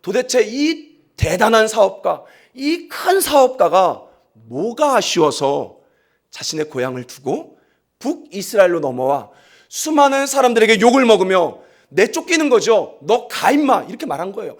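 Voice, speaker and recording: A man preaching a sermon in a high, very lively voice that swings widely as he tells stories. He acts out the people in them with plenty of drama and turns often to the congregation, asking them to repeat after him. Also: normal speed. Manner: animated storytelling, acts out quoted voices; talks straight to the congregation, asks them to repeat. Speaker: pastor.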